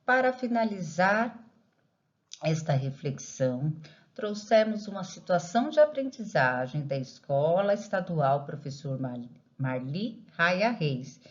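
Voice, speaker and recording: A woman narrating a training video for teachers, in a measured, explanatory way. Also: fairly low pitch. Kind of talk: scripted instructional narration. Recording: dull lo-fi recording.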